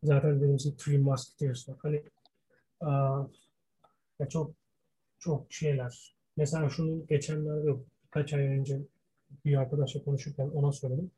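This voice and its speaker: A man's voice: on the high side, flat delivery, normal speed, long pauses, dark tone, breathy edge. A man co-hosting a casual discussion, speaking self-admittedly poor Turkish, often searching for words and slipping in English terms. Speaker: podcast co-host. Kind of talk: casual wrestling history discussion.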